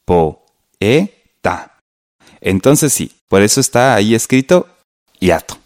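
Patient male radio teacher, lively pitch. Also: no echo, studio quality. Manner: slow, patient, spells out syllables. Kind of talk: scripted radio lesson.

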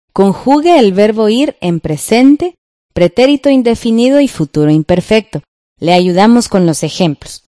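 A woman with a Guatemalan Spanish accent explains verb conjugations from a textbook, speaking slowly and carefully. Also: medium pitch, warm tone, dry recording, studio quality. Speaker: teacher. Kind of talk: textbook grammar lesson.

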